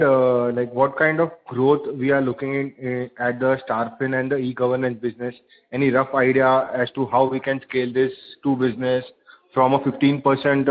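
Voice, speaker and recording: A man, politely and haltingly putting questions as an investor on an earnings call. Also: mid-range voice. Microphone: phone. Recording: narrowband phone line.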